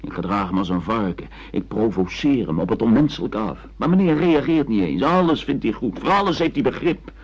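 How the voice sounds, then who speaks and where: An actor playing a bitter, provocative grown son in a radio drama, talking in a sardonic, accusing way. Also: male voice, lowish voice, lively intonation, fairly quick, hardly any pauses, breathy edge. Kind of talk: Dutch radio drama acting. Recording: dull, muffled radio play recording.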